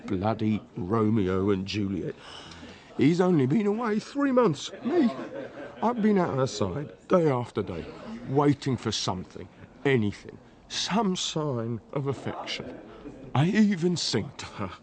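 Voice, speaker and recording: An actor playing a lovesick, jealous young fisherman who is quick to anger, in a radio drama. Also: mid-range voice, big pitch swings, a little mellow. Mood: bitter.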